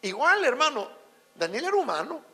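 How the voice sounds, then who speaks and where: Man, Salvadoran accent, sermon, very high bright voice, long church reverb. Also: moderate pace, slightly rough. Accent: Salvadoran Spanish. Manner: animated preaching, rising to shouts for emphasis, addresses listeners as brother. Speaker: preacher. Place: church sanctuary.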